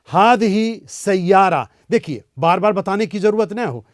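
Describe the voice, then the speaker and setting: A male language teacher giving a beginner lesson, repeating each word slowly so listeners can say it after him. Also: high-pitched, lively intonation, no echo, studio quality.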